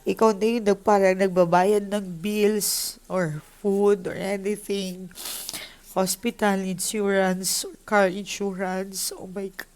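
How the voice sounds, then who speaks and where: A woman's voice: medium pitch, flat delivery, slow pace, a little mellow. A woman giving a casual tarot reading, emotional and speaking straight to her viewers, mixing Tagalog with English. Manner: addresses viewers directly. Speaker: tarot reader.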